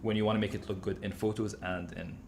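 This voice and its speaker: Relaxed man explaining makeup as he works. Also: on the low side, creaky, a little hiss or hum. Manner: relaxed, chatty, with quick self-corrections and light laughs. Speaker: makeup artist. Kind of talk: explaining a makeup routine while working.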